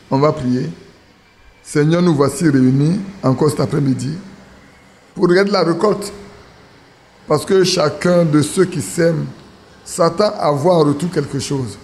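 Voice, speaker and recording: Preacher man, higher voice. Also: darkish tone. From Ivory Coast. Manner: conversational, asks the congregation questions. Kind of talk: informal sermon. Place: church assembly.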